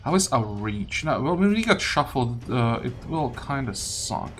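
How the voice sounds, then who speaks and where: Man thinking aloud over loud game music. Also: medium pitch, sing-song, unhurried. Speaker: gaming video host. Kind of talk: casual gameplay commentary. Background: video game music.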